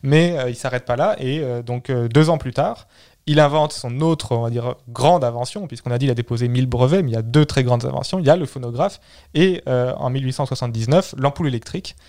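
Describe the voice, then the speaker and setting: A man at an ordinary middle pitch tells history in easygoing conversation. He explains at length and often doubles back on his words while he thinks. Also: fast, a little mellow. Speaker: podcast co-host telling history. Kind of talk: casual history chat.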